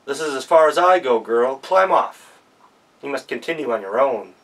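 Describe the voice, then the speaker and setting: A man's voice: mid-range voice, animated, normal speed, fairly bright tone, far from the mic, close to an everyday voice, poor audio. A man voicing a great gray horse who speaks in a plain, firm, dutiful way.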